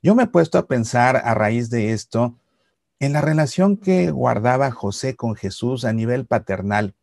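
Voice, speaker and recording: Gravelly man giving a calm Catholic reflection. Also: medium pitch, no echo, studio quality. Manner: warm explanatory storytelling, slows for solemn lines. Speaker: Catholic YouTuber. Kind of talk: reflective religious talk to camera. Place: Seattle archdiocese series.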